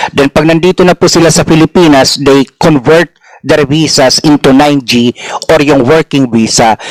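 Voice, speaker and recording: A plain, everyday voice from a man, fairly high in pitch and fairly slow, with fairly even intonation, very even loudness and a dry, close sound with no echo. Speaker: anti-trafficking official presenting at hearing. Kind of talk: testimony at congressional hearing. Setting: hearing room. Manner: formal.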